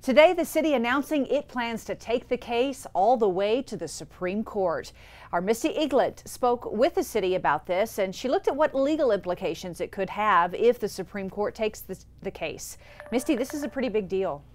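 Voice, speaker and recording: Woman news anchor, crisp delivery. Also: on the high side, lively intonation, normal speed. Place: TV news studio.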